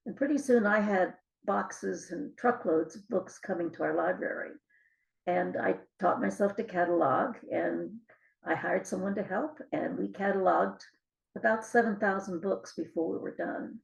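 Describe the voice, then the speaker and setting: An older woman, an author being interviewed, recalls her experiences in a measured, reflective, conversational way. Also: fairly low pitch, vocal fry, poor audio.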